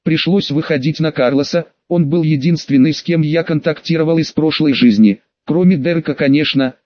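A man's voice: a little high, moderate pace, no room sound. Man narrating an audiobook, dry and dull. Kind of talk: first-person audiobook narration.

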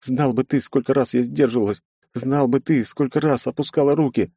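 A man's voice: mid-range voice, fairly even intonation, mellow, husky, no room sound, clean studio sound, pitched above the performer's own voice. A man reading an audiobook voices a jealous, capricious young princess who pleads and flares up. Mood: tearful pleading. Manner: pleading, clingy, quick to anger.

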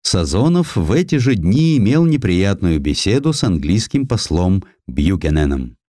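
A man's voice: low voice, normal speed, dry recording, clean studio sound. A man reading historical prose as a dramatic audiobook narrator, telling it expressively. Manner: expressive storytelling, acting out quoted speech.

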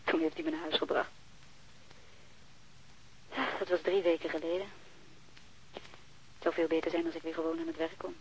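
A woman's voice: deep voice, flat delivery, normal speed, pauses often, slight background noise, close to an everyday voice. An actress playing a weary, irritable woman in an audio drama, curt and exasperated. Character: weary, irritable woman wanting to be left alone. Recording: dull, band-limited radio drama recording.

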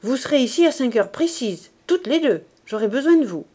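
A woman putting on a loud, gloating old schemer. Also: medium pitch, expressive, unhurried. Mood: commanding. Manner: agitated, commanding, raised voice. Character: scheming poor older man, loud and domineering.

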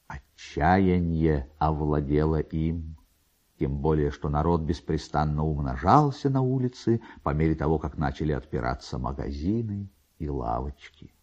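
A man narrating a literary story in a theatrical, expressive way with drawn-out pauses. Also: a bass voice, husky, highs cut off.

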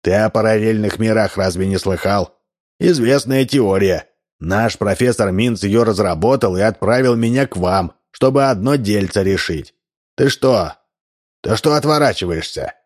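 A man's voice: lowish voice, moderate pace, a little mellow, lightly acted. A man reading aloud and voicing a plainspoken middle-aged man, puzzled and indignant.

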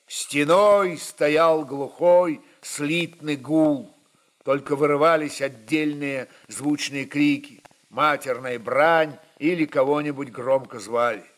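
A man reading historical fiction as a dramatic narrator, measured, expressive and emphatic. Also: on the high side.

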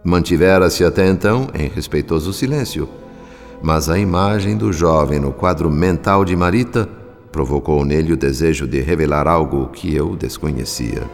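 A man narrating a radio drama in the first person as a reflective spirit analyst, measured and solemn in a literary storytelling manner. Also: very deep voice, gravelly. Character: reflective male spirit doctor, calm analyst. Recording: reverberant with background music.

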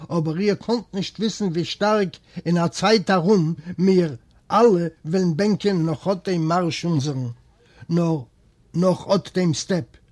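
A man voicing a worn-out male prisoner telling his story in a raised, louder tone with a husky voice. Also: high voice, measured pace. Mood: earnest.

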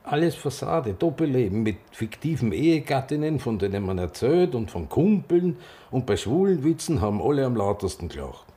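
A man's voice: medium pitch, sing-song, moderate pace, warm tone, close to an everyday voice. An actor playing an embittered older Viennese gay man reminiscing in a naturalistic radio drama, speaking emphatically. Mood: scornful.

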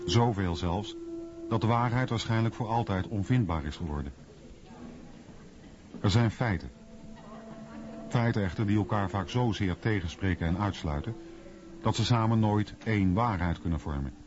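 A man's voice: on the low side, normal speed, long pauses. A man reading scripted narration for a radio documentary drama. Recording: dull lo-fi radio recording. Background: music.

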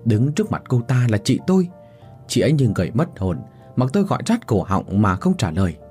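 A man narrating a first-person horror story in a dramatic, expressive way. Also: mid-range voice, fairly quick, soft background music.

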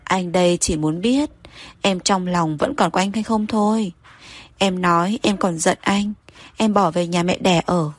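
A woman reading the lines of a young husband who coaxes and pleads softly with his wife, in a husky voice. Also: lowish voice, measured pace, no echo. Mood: pleading. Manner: soft wheedling pleading.

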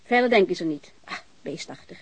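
An actress playing a blunt, warm-hearted, talkative landlady in a naturalistic radio drama, informal and frank. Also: lowish voice, expressive, fairly quick, slight background noise. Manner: informal, chatty, frank, mild swearing.

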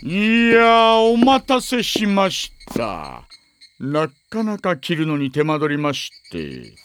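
An actor playing a sly, burly aging man in an anime audio drama, unctuously polite and theatrical with drawn-out phrasing. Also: fairly high pitch, fairly bright tone, full character voice. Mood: proudly boastful. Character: sly, courteous aging man, burly judo-trained gambler.

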